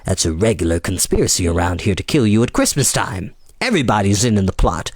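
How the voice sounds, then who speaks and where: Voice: sits low, big pitch swings, quick pace, no echo, studio quality, pitched below the performer's own voice. A storyteller voicing a world-weary old female sheep in a storybook, blunt and matter-of-fact. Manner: matter-of-fact, gossipy delivery of bad news.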